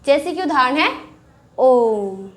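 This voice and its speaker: Indian woman teacher, high voice, bounces around a lot, chatty q and a style. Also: sing-song, normal speed. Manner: chatty, asks questions and answers them herself. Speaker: Hindi grammar teacher. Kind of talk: casual explanatory lesson.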